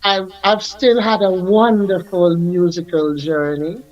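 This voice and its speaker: An older man, a music artist recalling his career in an unhurried, reflective way as a radio guest. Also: high voice, flat delivery, highs cut off. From Jamaica. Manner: unhurried, reflective, laughs often. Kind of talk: radio interview.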